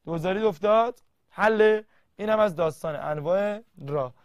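A man teaching a literature grammar lesson, quizzing the class and reading verses slowly word by word. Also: high-pitched, dry recording, studio quality. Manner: lively, quizzing students and answering himself.

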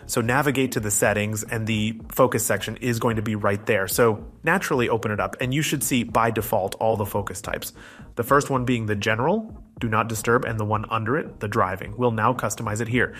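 A man's voice: lowish voice, a little fast, fairly bright tone. A man presenting a tech tutorial in scripted, explanatory narration, going through it methodically step by step.

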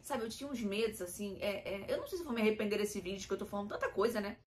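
A woman's voice: mid-range voice, rapid-fire, slight background noise. Brazilian woman vlogger confiding to viewers. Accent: Brazilian Portuguese. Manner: emotional, confiding, addresses viewers as "gente". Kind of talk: candid personal vlog talk.

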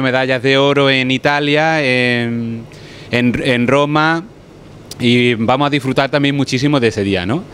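Middle-aged chef explaining calmly. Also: male voice, medium pitch, a little hiss or hum. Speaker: head chef. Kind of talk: casual interview. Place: restaurant kitchen, indoors. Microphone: handheld reporter mic.

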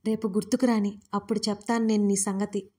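A woman's voice: medium pitch, flat delivery, quick pace, mellow, slightly rough, close to an everyday voice. A woman voicing an exasperated young man who scolds in a sarcastic, mock-stern way.

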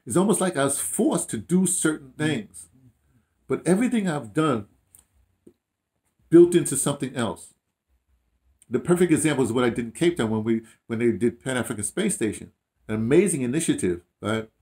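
Reminiscing in a relaxed chat indoors at home, this man of roughly late sixties (somewhere in his 60s or 70s) recounts his life as an audio dramatist. His storytelling is animated, full of repetition and self-quotes, delivered at medium pitch and a moderate pace.

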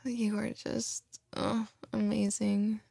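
An affectionate girlfriend acted by a woman murmurs close to the mic in an intimate roleplay. Her voice is soft and breathy with a creaky edge, and she takes her time, tender and a little giddy. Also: medium pitch, flat delivery, slow, dry recording, full character voice. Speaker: audio roleplay performer. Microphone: close microphone, dry room.

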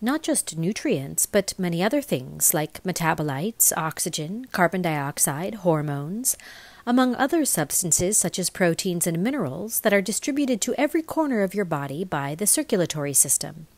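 Woman reading scripted narration, lively intonation. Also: lowish voice, normal speed, no room sound. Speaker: voice-over reader. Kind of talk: scripted narration of a spiritual explainer, read aloud.

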